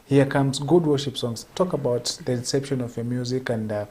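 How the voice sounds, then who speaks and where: A man's voice: medium pitch, fairly even intonation, fairly quick, darkish tone. A man from Kenya hosting a morning show, interviewing a guest in a hesitant way with many fillers. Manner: hesitant, many fillers, frequent back-channel murmurs.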